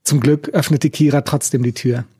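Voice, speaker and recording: A man reading a novel aloud as audiobook narrator, steady and measured, on a close studio mic. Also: medium pitch, breathy edge, dry recording.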